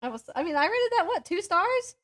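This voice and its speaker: Woman podcast cohost, high voice, super casual n chatty, slangy, acts out little quotes when telling stuff. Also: a little fast. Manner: informal, slangy, animated retelling with acted-out quotes. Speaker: co-host of a book podcast.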